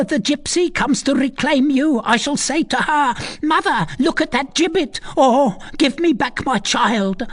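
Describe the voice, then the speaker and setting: A grief-crazed mother from a dramatic audiobook. Her voice leaps very high and loud, wailing and imploring. She is fierce and frantic, a recluse in anguish.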